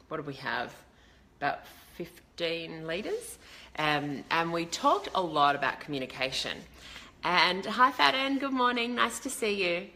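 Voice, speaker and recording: A woman's voice: deep voice, sharp tone. A woman with a slightly crackly voice, chatting casually and ramblingly to a live online audience as a leadership coach. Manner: chatty, rambling, greets viewers mid-thought.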